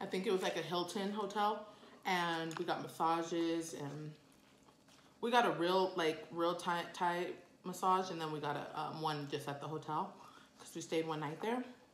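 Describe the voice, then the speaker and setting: A woman speaks at a fairly low pitch and a moderate pace with fairly even intonation. Audible room echo and light background noise accompany her. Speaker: food vlogger. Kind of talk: casual storytelling while eating. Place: home room. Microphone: phone near.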